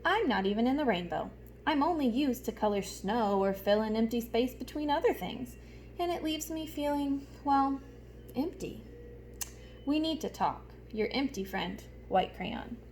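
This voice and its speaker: A woman's voice: on the high side, expressive, measured pace, darkish tone, a little hiss or hum. A woman voicing a sad, neglected white crayon from a picture book, plaintive and forlorn.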